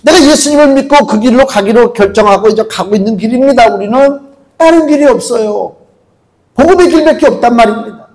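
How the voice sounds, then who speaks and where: A male pastor preaching a conversational sermon in a church, asking the congregation rhetorical questions and reading scripture slowly. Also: extremely high pitch, darkish tone, rough recording. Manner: acts out quoted voices, reads scripture slowly. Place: church sanctuary.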